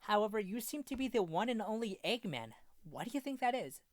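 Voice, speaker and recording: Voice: mid-range voice, big pitch swings, a little fast, no room sound. An interviewer asking short, friendly questions. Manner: brief, friendly prompts.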